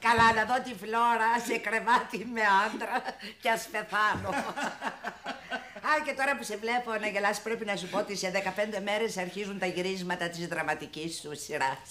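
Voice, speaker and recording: A woman's voice: medium pitch, steady tone, pushed and bright, close to an everyday voice. An actress playing a dry, sarcastic woman producer in a sitcom. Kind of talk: sitcom acting.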